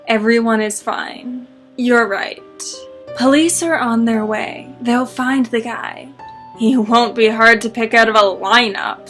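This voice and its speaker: A woman's voice: on the high side, fairly bright tone. A woman voicing a young wife and mother in a horror story, soothing, practical and reassuring.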